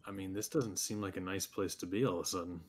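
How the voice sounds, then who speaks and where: A man's voice: sits low, fairly even intonation, fast. A man chatting casually as a player at a tabletop game.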